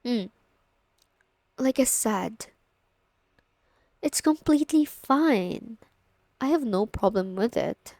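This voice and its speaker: Girl acting as ur best friend's teasing older sister, young, confident n playful, asmr roleplay, talks real slow, kinda high voice. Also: expressive, darkish tone, no echo, clean studio sound, heavily acted. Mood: reassuring. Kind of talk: intimate ASMR roleplay, spoken to the listener.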